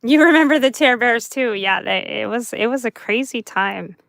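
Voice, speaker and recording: A woman hosting a live craft chat, soft and chatty, who often laughs and talks about her dry mouth. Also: a little high, lively intonation, normal speed, vocal fry, no room sound. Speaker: craft livestream host.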